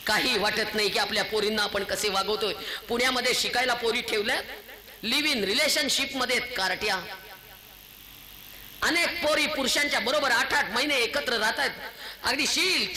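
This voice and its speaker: A woman's voice: on the high side, sharp tone. A woman giving an impassioned, scolding speech to an audience, firing off rhetorical questions. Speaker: public speaker. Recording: echoey hall.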